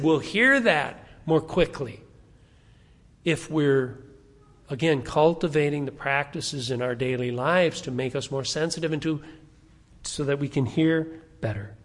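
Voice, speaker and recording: A man's voice: on the high side, a bit bright. Pastor in his sixties, echoing hall. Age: 60s. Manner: conversational, asks the congregation questions. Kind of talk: sermon. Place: church sanctuary.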